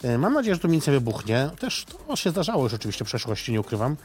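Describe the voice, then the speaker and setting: A man's voice: medium pitch, very animated, very fast, darkish tone. A man hosting a casual chat over drinks, playful and joking, swearing casually. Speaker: host.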